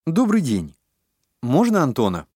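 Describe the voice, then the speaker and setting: A woman voicing a caller in a recorded language-course phone dialogue, with clear, even textbook delivery. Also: extremely low pitch, measured pace, no room sound, heavily acted. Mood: polite.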